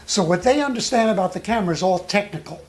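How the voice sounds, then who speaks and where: The acting coach's instructional talk weaves in personal anecdotes, delivered with deliberate pacing and reflective pauses. His mid-range voice is animated and somewhat dark in tone.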